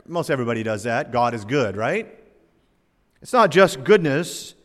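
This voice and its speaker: A man preaching a sermon as pastor, moving between emphatic exhortation and hushed prayer. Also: mid-range voice, big pitch swings, moderate pace. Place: church sanctuary. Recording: long reverb of a church hall.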